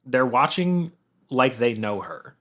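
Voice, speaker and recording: A man's voice: mid-range voice, very animated, takes it slowly, fairly bright tone. A man guesting on a podcast, chatting informally and giving joking opinions. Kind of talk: casual chat, discussing song lyrics.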